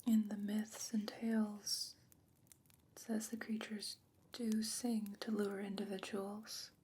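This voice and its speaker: A woman's voice: mid-range voice, little pitch movement, breathy edge. Whispering woman playing a concerned fantasy scholar. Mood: hushed musing. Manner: hushed, deliberate, musing. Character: concerned fantasy scholar woman, candid, gently scolding confidante. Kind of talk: whispered ASMR fantasy roleplay. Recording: noticeable background noise and ambience.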